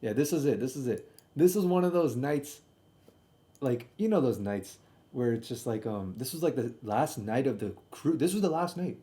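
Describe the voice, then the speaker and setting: A man's voice: mid-range voice, expressive, normal speed, mellow, slight background noise. A young man telling a casual, slangy stream story, often doubling back and repeating himself as he comments on old videos.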